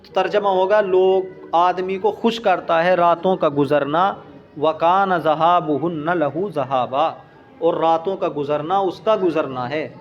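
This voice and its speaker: A man teaching an Arabic grammar lesson as a teacher. He reads the text slowly, explains it quickly and asks his students questions. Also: fairly high pitch, dull audio.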